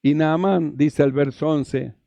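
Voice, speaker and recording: A man's voice: fairly high pitch, measured pace, creaky, warm tone, dry recording. A male pastor, preaching a sermon, repeating phrases and asking the congregation rhetorical questions.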